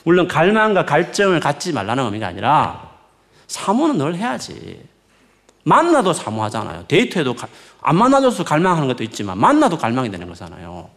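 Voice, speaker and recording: A man preaching a midweek sermon in a conversational, coaxing way, with many rhetorical questions and sharp swings in emphasis. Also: fairly high pitch, fairly quick. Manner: lively, rising and falling emphatic preaching. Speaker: pastor.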